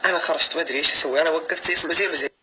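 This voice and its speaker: Rapid, bright-voiced man telling a story. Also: on the high side, fairly even intonation, husky, poor audio. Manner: emphatic, swears oaths constantly. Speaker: social media storyteller. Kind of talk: casual personal anecdote.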